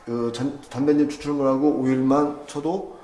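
A middle-aged man giving informal, halting interview answers as a farmer, repeating phrases as he explains. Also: medium pitch, steady tone, dark tone. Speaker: farmer and cooperative member being interviewed. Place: indoor room by windows. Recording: echoey room, faint background noise.

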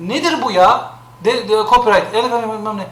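A streamer man complains live, exasperated, circling back over the same gripes. His voice sits very high and sounds bright and sharp. The room around him rings with echo. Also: fast. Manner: exasperated, complaining, repeats himself.

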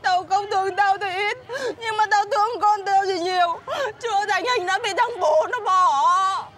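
A heartbroken pregnant young woman, her voice very high and tearful. She lashes out in rage and sobs, over a swelling drama score. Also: lively intonation, normal speed. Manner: shouts in rage then sobs. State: crying. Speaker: lead character. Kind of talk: TV drama acting. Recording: music score behind.

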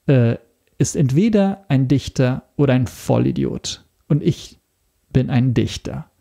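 Gravelly, hesitant man. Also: medium pitch, mellow. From Italy. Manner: hesitant, searching for words. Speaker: podcast guest. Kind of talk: casual interview talk.

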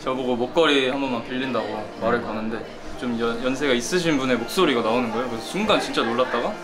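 A man's voice: medium pitch, quick pace, crowd noise. A young man teasing a bandmate backstage with dry humor. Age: young adult. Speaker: idol group member. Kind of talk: casual backstage chat.

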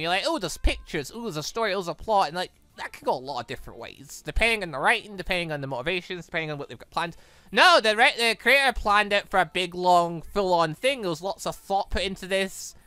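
A gaming channel host with a high, pushed and bright voice wraps up a visual novel playthrough. He rambles enthusiastically with many restarts, and the recording is smooth and dry.

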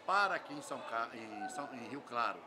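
A man's voice: mid-range voice, animated, brisk, a crowd in the background. An older man with a Brazilian accent, giving an emphatic interview as a fair organizer, driving points home with repeated phrases. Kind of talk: on-camera news interview. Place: semi-open covered event hall. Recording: clear ambient noise of an open venue.

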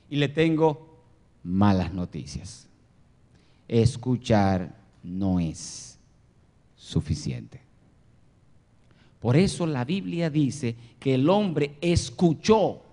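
A man preaching an impassioned sermon in church, swinging between loud exclamations and low murmurs. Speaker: pastor.

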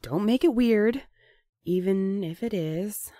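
A woman playing a gentle, hesitant, romantic young courier in an audio drama, thoughtful and a little awkward. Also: mid-range voice, slow pace, dry recording, studio quality, close to an everyday voice. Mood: awkward, tender.

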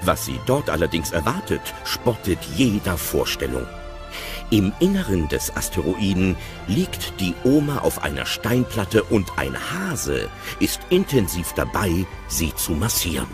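Give me a male narrator with a low, very animated voice telling a story over music. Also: measured pace. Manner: lively storytelling. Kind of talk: scripted audio drama narration.

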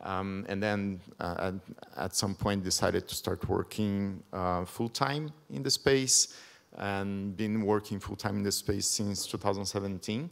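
Man, Brazilian accent, deep voice, non-native English, careful with many ums, podium mic in a conference hall. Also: fairly even intonation, unhurried, gravelly. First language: Portuguese. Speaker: conference speaker. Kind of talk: conference presentation. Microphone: podium microphone.

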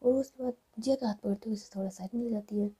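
A woman narrating a romantic story in a breathy, half-whispered delivery. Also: mid-range voice, racing, dark tone.

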